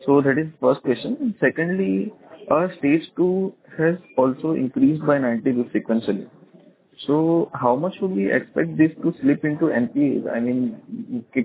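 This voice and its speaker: A man, a financial analyst, politely putting a two-part question to management on an earnings call, restarting words as he goes. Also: medium pitch. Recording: tinny conference-call phone line.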